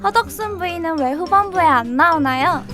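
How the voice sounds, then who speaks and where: Very high-pitched young woman presenting. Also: animated, moderate pace, sharp tone, soft background music. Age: young adult. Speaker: student radio Q&A presenter. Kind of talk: playful question reading.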